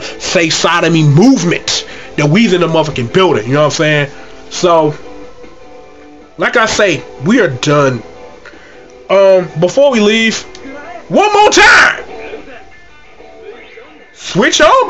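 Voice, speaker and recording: A brash, slangy male gaming vlogger talks his viewers through an outro, his voice sitting high and sounding congested. The home recording is dull and lo-fi, with faint music playing underneath. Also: fairly bright tone. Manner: brash, trash-talking, slangy. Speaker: gaming channel host. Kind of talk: casual gaming vlog outro.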